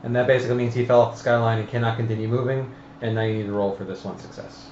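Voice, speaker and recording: A man chats his way through the rules of a tabletop game, hesitating as he works things out. His voice is of middle pitch, caught in a muffled recording of an echoey, noisy room. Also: flat delivery, very fast, a little mellow. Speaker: player explaining board game rules on a live stream. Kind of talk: casual chat over a tabletop game. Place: room around a game table, live stream.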